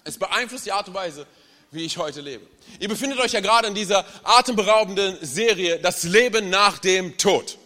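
A young man's high, bright voice fills a church with a long hall echo. He preaches as a guest speaker, lively and chatty, throwing jokes at the congregation. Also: normal speed. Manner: energetic, chatty, tells jokes. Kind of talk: sermon. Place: large church hall with audience.

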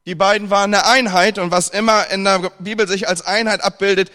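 A man's voice: high voice, steady tone, fairly quick, sharp tone. A man from northern Germany preaching a sermon, reading scripture and retelling it with humor and mock dialogue. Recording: long hall reverb.

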